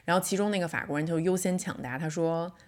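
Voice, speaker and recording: A woman in her thirties hosting a casual solo podcast. She tells a story in a reflective way and slows down to stress her points. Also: lowish voice. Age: 30s. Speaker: podcast host.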